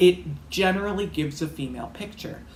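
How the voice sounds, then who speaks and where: A woman speaks in a breathy voice. Audible room echo surrounds her. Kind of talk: tutorial. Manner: soft-spoken.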